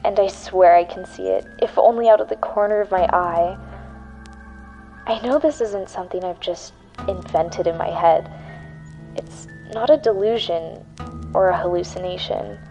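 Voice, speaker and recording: An actress playing a frightened, haunted woman in an audio drama, speaking in a halting, earnest and insistent way. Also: mid-range voice, dark tone, close to an everyday voice. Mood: haunted, uneasy. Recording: dull old tape recording, music behind.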